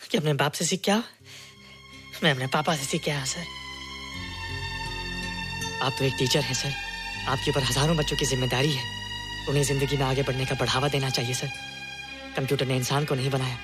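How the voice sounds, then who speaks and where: Actor as a gentle, earnest, childlike young man, respectful tone, medium pitch, score underneath. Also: close to an everyday voice. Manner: earnest, respectful, keeps adding "sir". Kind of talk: film dialogue. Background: film music.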